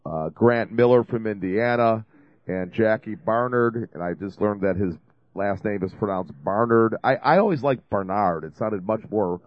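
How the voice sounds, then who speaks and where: A man's voice: fairly low pitch, moderate pace, no room sound, lo-fi sound. A man hosting a call-in radio show, talking in a chatty, rambling, jokey way while he has a cold. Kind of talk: casual call-in radio talk. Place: radio studio.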